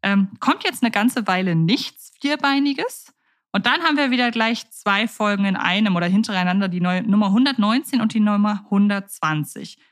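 A woman's voice: mid-range voice, lively intonation, normal speed. A woman co-hosting a podcast, talking in a chatty way and thinking aloud with fillers. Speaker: podcast co-host. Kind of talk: casual podcast discussion.

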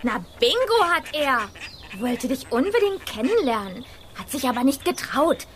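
A woman playing a cheeky young punk witch girl in a children's audio drama, with a snotty, direct, loudmouthed manner. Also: sits high, very animated, normal speed, a little hiss or hum. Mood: cheeky, teasing.

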